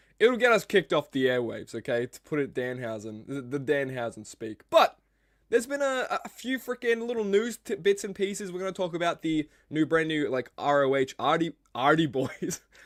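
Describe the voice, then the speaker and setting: This man has an Australian accent, a fairly high pitch and very wide pitch swings, talking at a fairly quick pace. The recording is very clean with a silent background and a dry, close sound with no echo. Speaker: wrestling figure reviewer. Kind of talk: casual chat. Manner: animated.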